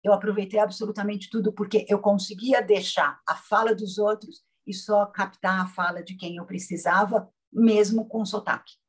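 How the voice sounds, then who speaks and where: A woman's voice: medium pitch, fairly even intonation, normal speed, few pauses. A woman from Brazil, a patient, telling her experience in a casual roundtable, reflective and hesitant with restarts.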